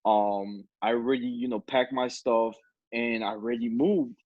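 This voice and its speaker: A man's voice: medium pitch, steady tone, moderate pace, no room sound. A man in his late twenties hosts over a video call, spinning a story in an easy, laughing way. His mid-range voice sounds dry and slightly muffled, like a plain webcam mic. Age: 20s. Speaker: podcast host. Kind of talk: casual chat on a video call. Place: indoor room at home.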